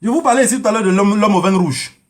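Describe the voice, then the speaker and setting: Male online commentator, notably high voice, emphatic and repetitive, haranguing his audience in informal monologue. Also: fast talker. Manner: emphatic, haranguing, repeats phrases for effect.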